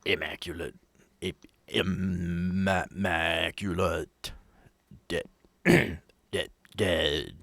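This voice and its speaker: A man voicing a friendly ghoul father in a tabletop game, groping for words in broken, halting speech. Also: sits low, steady tone, gravelly, a bit bright, dry recording, exaggerated voice. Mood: grave, halting.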